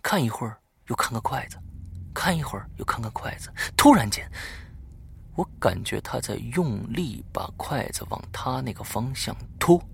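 A man's voice: mid-range voice, expressive, moderate pace, creaky, breathy edge. A man in his thirties telling a spooky first-person ghost story, dropping to a whisper at tense moments. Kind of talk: spoken ghost story narration.

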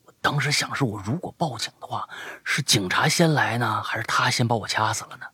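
A man's voice: mid-range voice, fairly quick, breathy edge, no room sound. A young adult man hosting a podcast, retelling listener stories in casual chat and dropping to a whisper for suspense. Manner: animated storytelling, drops to a whisper for suspense. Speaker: podcast host.

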